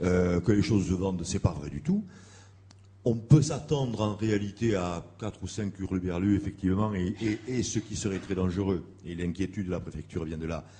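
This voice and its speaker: A man's very deep, low voice with a dark, mellow tone, somewhat breathy, in a southern French accent, at a moderate pace with ordinary pitch variation. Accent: southern French accent, doesn't roll r's. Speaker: journalist. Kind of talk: conference talk. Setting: conference with audience. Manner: animated, hesitant with many euh.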